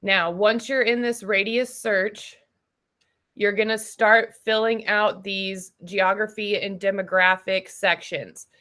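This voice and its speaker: A woman trainer explaining software steps in an informal, explanatory way, as in a casual tutorial for agents. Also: medium pitch, steady tone, slow. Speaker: trainer for real estate agents.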